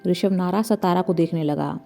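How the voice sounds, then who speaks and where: A woman narrating a storybook in a calm, even storytelling manner. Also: fairly low pitch, normal speed, gravelly. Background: faint background music.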